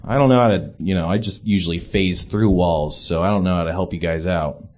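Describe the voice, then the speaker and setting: A man's voice: low-pitched, fairly quick, darkish tone, voice pushed down, natural voice. A bashful ghost boy in a live comedy tabletop game, put on by the man running it, speaking in a sunk, mumbling register that trails away at the ends of his sentences. He sounds unsure and a little apologetic. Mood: sheepish. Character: shy timid ghost boy.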